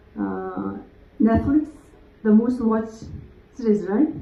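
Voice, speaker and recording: A fairly high-pitched woman, with audible room echo. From South Korea. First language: Korean. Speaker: lecturer. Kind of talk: lecture. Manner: halting, many fillers.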